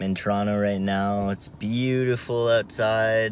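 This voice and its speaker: A man speaking at a very slow pace, with light background noise. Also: dry sound with no echo. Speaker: vlogger. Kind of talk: casual vlog chat. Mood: relaxed, cheerful. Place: car. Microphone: phone near.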